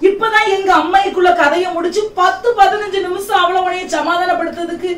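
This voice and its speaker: A woman's voice: very high voice, fairly even intonation, brisk. A woman playing a tired, teasing husband with a Tirunelveli Tamil accent, pleading again and again with his wife in an amateur family skit. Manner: pleading, repeats his question over and over. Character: weary teasing husband, middle-aged man. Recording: echoey room, mic far off.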